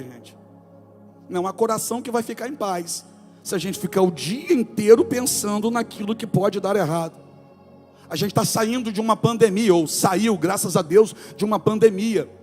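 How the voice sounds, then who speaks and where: A Brazilian man in his forties with a Rio de Janeiro accent preaches from the church pulpit, his high voice rising and falling between quiet asides and loud exclamations. Soft music plays faintly behind him. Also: in a large hall. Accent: Brazilian Portuguese, Rio de Janeiro state. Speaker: pastor. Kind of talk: sermon. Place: church sanctuary.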